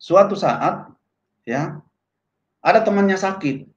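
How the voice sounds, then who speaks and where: Guy telling his testimony, lively, acts out voices, echoey dull recording. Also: high-pitched, slow pace. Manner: animated, acts out quoted voices. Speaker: testimony speaker. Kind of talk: storytelling testimony. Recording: echoey, dull lo-fi room sound.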